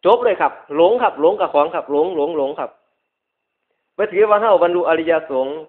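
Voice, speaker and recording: Speaking briskly in a fairly high voice, a monk with a northeastern Thai Isan accent delivers a Buddhist sermon. He repeats his points with emphasis and closes phrases with polite endings, heard through a muffled, radio-like lo-fi recording.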